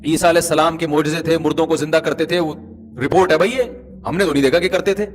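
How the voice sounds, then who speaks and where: Animated man preaching a lively sermon. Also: on the high side, background noise. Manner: animated, rhetorical, teasing the audience. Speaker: Islamic preacher. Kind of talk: conversational sermon.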